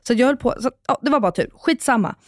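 A woman, co-hosting a casual podcast and telling stories in an animated way, acting out quotes and swearing casually. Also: fairly high pitch, no room sound, clean studio sound. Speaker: podcast co-host. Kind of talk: casual chat.

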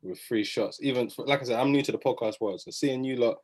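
A man's voice: mid-range voice, quick pace. A man with an urban London roadman accent hosting a casual podcast, slangy and repeating phrases for emphasis. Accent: London, urban street slang. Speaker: podcast host.

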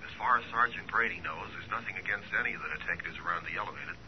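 An actor playing an easygoing newspaper reporter in a 1940s radio crime drama, chatting briskly over a telephone. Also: male voice, on the low side. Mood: matter-of-fact. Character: fast-talking, easygoing male newspaper reporter. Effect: telephone filter. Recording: muffled noisy old radio, telephone line.

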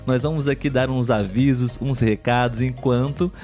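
A Brazilian man hosting a live podcast chat for learners of Portuguese, speaking clearly and in a measured way and often checking in with his co-host. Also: medium pitch, fairly even intonation, a little mellow, faint music behind.

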